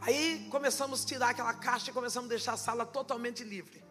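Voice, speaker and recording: A woman's voice: a little high, steady tone, quick pace, soft background music. Fervent Brazilian woman pastor preaching. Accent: Brazilian Portuguese. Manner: impassioned, rising to shouted preaching. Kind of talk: testimony sermon. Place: church service.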